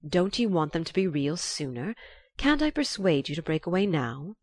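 A woman voicing a young gentleman who pleads urgently and persuasively. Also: fairly low pitch, big pitch swings, moderate pace, dry recording. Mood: pleading. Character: young gentleman, eager and pleading, sometimes exasperated.

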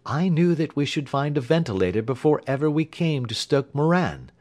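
A man voicing a sharp-minded male detective, speaking in a crisp, explanatory manner. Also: fairly high pitch, sing-song, normal speed, pitched above the performer's own voice. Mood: intense. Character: Holmes, sharp reasoning male detective, adult.

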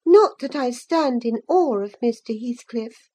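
A woman voicing a bright, spirited young lady. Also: lively intonation, unhurried, slightly rough. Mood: reproachful. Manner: high, eager and insistent. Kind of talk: audiobook character voice.

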